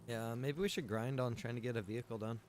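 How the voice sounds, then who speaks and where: A man giving casual livestream commentary on a game, rambling and thinking out loud. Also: medium pitch, fairly even intonation, fast, faint music behind. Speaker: game streamer.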